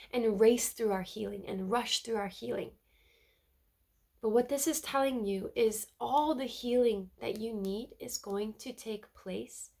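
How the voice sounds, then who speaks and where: A woman's voice: medium pitch, creaky, a little mellow. A woman with a stuffy cold giving an earnest, casual spiritual card reading, often repeating words and adding "right?". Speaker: spiritual tarot reader.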